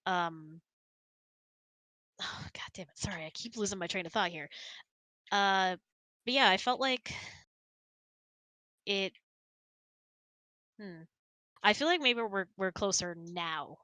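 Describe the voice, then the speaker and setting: A woman's voice: medium pitch, pushed and bright, clean tone, no echo. A woman hosting a casual question-and-answer chat, speaking in an informal, rambling and emphatic way. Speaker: host of a live Q&A. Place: close-miked online voice chat, dry.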